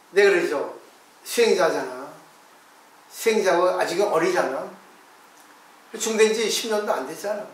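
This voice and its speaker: A man's voice: high-pitched, distant mic. A man, a Buddhist monk, giving a conversational dharma talk and asking his listeners rhetorical questions. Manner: acts out his own replies to disciples. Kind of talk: dharma talk on a Zen text. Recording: very echoey room, voice from off the mic.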